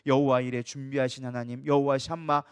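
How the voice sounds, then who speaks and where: A man's voice: mid-range voice, level tone, fairly quick, smooth. A male co-lead pastor preaching a midweek sermon, emphatic and full of rhetorical questions that he answers himself. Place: church.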